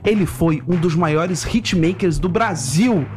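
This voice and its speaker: A man in his early thirties hosting a radio show, animated and announcer-like with drawn-out emphatic phrases. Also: on the high side. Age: early 30s. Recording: radio studio with music bed.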